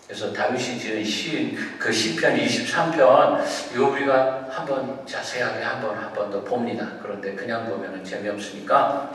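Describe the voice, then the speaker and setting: A man's voice: mid-range voice, normal speed, fairly bright tone, a little hiss or hum. A male pastor giving a conversational sermon and putting questions to his congregation. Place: church sanctuary. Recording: very echoey church hall from far off.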